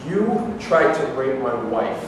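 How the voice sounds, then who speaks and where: A man's voice: mid-range voice, sing-song, slow. A man in a staged play reading, playing a bitter, stubborn Palestinian Arab man who argues in formal, combative phrases. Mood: wounded, accusing. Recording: echoey hall, distant mic, faint noise.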